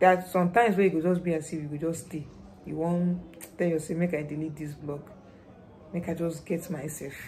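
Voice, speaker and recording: With a Nigerian accent, a woman speaks at a fairly quick pace and a fairly low pitch. Her intonation is fairly even, with light background noise behind her. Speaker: book reviewer. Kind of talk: casual talk to camera. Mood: emotional, reflective, subdued. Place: home room. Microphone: phone near.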